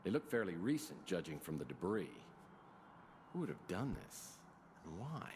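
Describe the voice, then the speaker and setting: An actor playing a weary, wry middle-aged private detective in a noir adventure game, with a dry wisecracking delivery and music behind him. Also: male voice, deep voice, big pitch swings, normal speed, noisy background. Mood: puzzled, wry.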